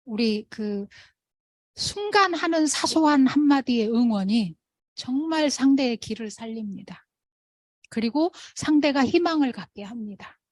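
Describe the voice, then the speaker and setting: Lively woman telling stories to a crowd. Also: high-pitched, measured pace, dry recording, clean studio sound. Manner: animated, acts out quoted people in raised voice. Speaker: motivational speaker at a sales meeting. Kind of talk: storytelling talk to an audience.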